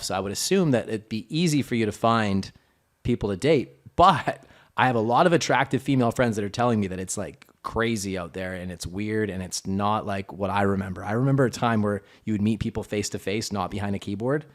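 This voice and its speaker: A man's voice: fairly low pitch, brisk. A man hosting a podcast interview, curious and teasing as he asks questions. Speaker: podcast host. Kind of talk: casual interview chat.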